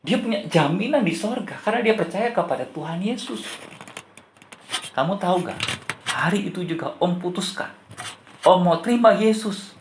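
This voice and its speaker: A man's voice: fairly high pitch, slight background noise, lightly acted. A man preaching in a church, voicing a grown uncle who is confessing his fear of old age and death with rising urgency, heard in an echoey hall. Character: grown man, an uncle, frightened then resolved.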